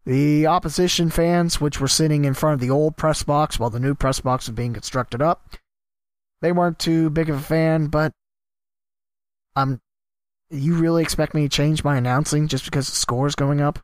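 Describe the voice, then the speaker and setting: A man's voice: a little high, fairly even intonation, normal speed, no echo. Dry-voiced man rambling casually. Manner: rambling, self-deprecating, trails off quietly. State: coughing, voice worn from sickness. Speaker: podcast host and sports announcer. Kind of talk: casual solo podcast monologue.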